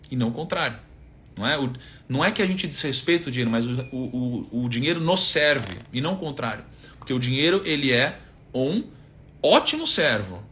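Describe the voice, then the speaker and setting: A man's voice: a little high, bright, forceful tone, slight background noise. A man in his thirties with a Brazilian accent, giving a casual faith and money talk, full of rhetorical questions and quoted verses. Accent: Brazilian Portuguese. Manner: conversational, asks rhetorical questions, quotes scripture. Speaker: finance speaker giving a faith-based talk. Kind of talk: casual teaching talk, live stream.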